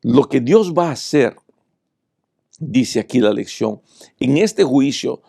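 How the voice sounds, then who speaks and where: A man's voice: medium pitch, lively intonation, slow, gravelly, warm tone, husky. A man, a pastor, teaching a Bible lesson and speaking directly to viewers through personal stories. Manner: confessional, direct address to viewers.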